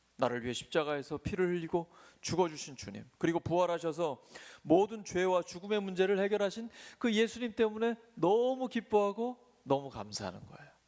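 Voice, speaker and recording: Speaking at a fairly quick pace with lively intonation, a man with a high pitch has a slight Ulsan accent. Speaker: pastor. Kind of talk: sermon. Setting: church.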